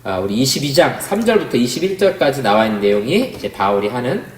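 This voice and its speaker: Lively-pitched man teaching in an echoey room. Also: quick pace, slight background noise. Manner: conversational teaching with rhetorical questions to the class. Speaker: pastor teaching a Bible class. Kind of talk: Bible study lecture. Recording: roomy, echoey room sound.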